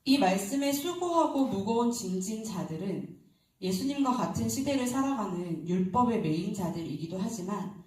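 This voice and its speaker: A distant mic in a very echoey church sanctuary captures a woman preacher's early-morning sermon. Her mid-range voice is lively and a little mellow at normal speed, and she speaks conversationally, asking the congregation questions.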